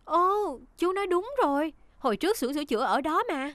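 High-voiced helpful cartoon lady. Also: lively intonation, fairly quick, fairly bright tone, no echo. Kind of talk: dubbed children's cartoon acting.

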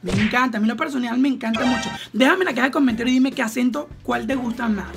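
A woman's voice: fairly high pitch, fast. A young Colombian woman with a Colombian accent, giving outspoken, gossipy reaction commentary and swearing freely. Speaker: reaction vlogger. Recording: clear background music. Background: music playing.

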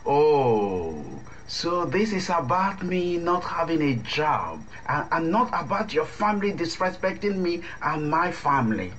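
A stubborn young boyfriend in a radio drama, indignant and sarcastic. His pitch swings widely. The recording is slightly dull and noisy. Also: very animated, a little slow, hardly any pauses, fairly bright tone. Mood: defiant.

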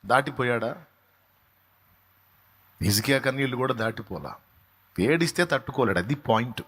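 A man's voice: mid-range voice, expressive, normal speed, breathy edge. Impassioned man preaching a sermon. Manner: impassioned, swinging between loud exclamations and soft pleading appeals; repeats phrases for emphasis. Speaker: pastor.

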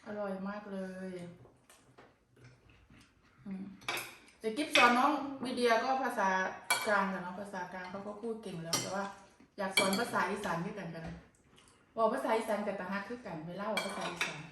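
A mother and vlogger from northeastern Thailand, speaking with an Isan accent, chats casually and coaxes her child while cooking and eating in her home kitchen. Her medium-pitched voice moves at normal speed with long pauses. Heavy background noise, an echoey room, a distant mic, and clattering dishes fill the recording.

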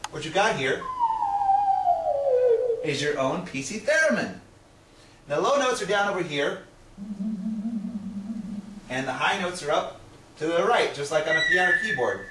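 A middle-aged man presenting to camera in a playful, showman-like way, demonstrating as he explains. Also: a little high. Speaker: science presenter. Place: small indoor room with projector screen. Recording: roomy, distant camera mic, noisy.

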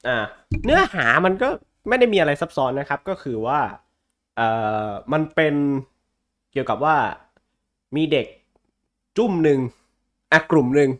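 A man's voice: on the high side, very animated, normal speed, long pauses. A man chatting casually as a podcast host, blunt, slangy and jokey. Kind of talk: casual chat about comic books.

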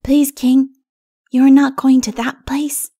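Woman doing an earnest, high-pitched little child. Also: flat delivery, measured pace, warm tone. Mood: anxious pleading. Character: small innocent child elephant rider, anxious and trusting.

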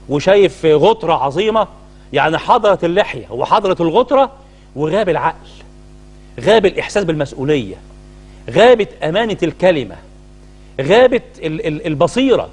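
A man's voice: a little high, darkish tone. A middle-aged man with an Egyptian accent, a Muslim cleric co-hosting a talk show, firing off indignant rhetorical questions. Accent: Egyptian Arabic. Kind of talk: heated studio talk-show commentary.

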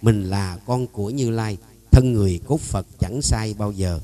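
A man's voice: fairly low pitch, measured pace. Monk giving a dharma talk, man's voice, punchy, keeps asking the crowd questions. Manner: emphatic, with frequent rhetorical questions; swings widely between loud and soft. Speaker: Buddhist monk teacher.

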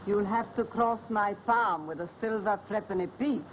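An actress playing an old gypsy fortune teller who speaks in portentous, foreboding melodrama style. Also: female voice, medium pitch, normal speed, close to an everyday voice. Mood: sly, inviting. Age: older. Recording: muffled, hissy old film soundtrack.

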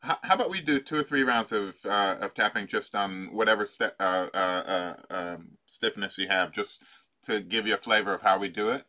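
An older man leading a tapping exercise over a video call, playful and laughing, often pausing with fillers. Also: lowish voice, sharp tone. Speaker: life coach. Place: home room.

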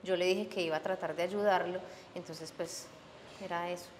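A woman's voice: on the low side, fairly even intonation, normal speed, big-room sound, slight background noise. A young woman in a staged drama, speaking politely and apologetically to a doctor in a clinic office. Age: young adult. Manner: polite, apologetic, soft-spoken. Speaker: job applicant helping a stranger.

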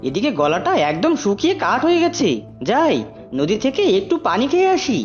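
Woman as a high, animated fox woodcutter. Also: moderate pace. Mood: nervous. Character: male fox woodcutter husband, breezy but timid. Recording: dull lo-fi audio with music.

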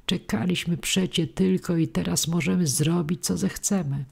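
A man's voice: high-pitched, fairly even intonation, normal speed, creaky, darkish tone, slightly rough, voice pushed up, heavily acted. A woman reading the part of a persuasive middle-aged male suitor, coaxing and insistent, in an audiobook.

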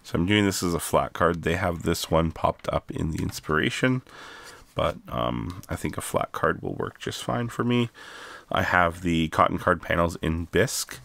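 A Canadian man hosting a casual crafting tutorial, chatty with many ums, his voice still rough from being sick. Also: low voice, normal speed, a bit bright, dry recording. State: recovering from illness, voice still rough. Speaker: craft video host.

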